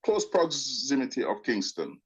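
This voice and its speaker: A man's voice: medium pitch, very animated, unhurried, husky, low-quality recording. A Jamaican man with a partly British accent, calling in to a radio show and chatting casually with opinions and stammering restarts. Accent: Jamaican with British mix. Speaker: caller. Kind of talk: casual call-in chat. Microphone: phone line.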